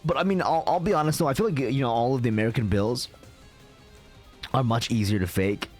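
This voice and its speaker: A young man from Canada rants on a live stream in loose, casual talk, full of fillers and swearing. His voice sits at an ordinary pitch for a man. Faint music plays behind him. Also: brisk, a little mellow. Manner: ranting, casual, swears often, many fillers.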